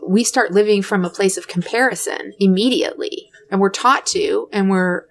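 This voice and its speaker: A woman co-hosts a relaxed podcast conversation, working through her ideas reflectively. She hedges her points and often restarts mid-sentence with "I mean". Her voice sits at an ordinary middle pitch for a woman. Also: moderate pace. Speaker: podcast co-host.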